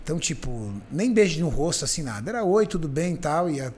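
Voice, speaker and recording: A man's voice: on the high side, quick pace. A man hosting a podcast, telling a story in casual chat and acting out the voices of the people in it. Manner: animated, acts out the voices in his stories. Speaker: podcast host.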